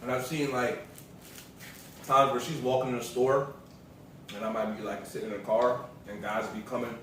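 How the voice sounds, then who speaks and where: Relaxed man rambling in an echoey room. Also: medium pitch, normal speed, slight background noise. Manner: relaxed, rambling, many fillers. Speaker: vlogger's partner. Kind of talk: casual storytelling chat. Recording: echoey room, mic at a distance.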